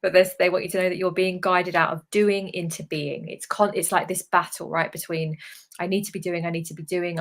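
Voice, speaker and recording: Lower-voiced woman channeling like a spirit medium. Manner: halting, emphatic, repeats phrases while relaying messages. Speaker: spiritual channeler relaying messages from guides to viewers. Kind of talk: live channeling session, seance-medium style spoken guidance.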